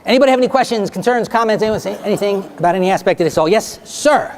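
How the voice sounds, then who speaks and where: A man's voice: sits high, lively intonation, rapid-fire. A man performing as a stage hypnotist, giving rhythmic, repetitive commands to volunteers in front of a live audience. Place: theater stage before an audience. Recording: live show with audience and noise.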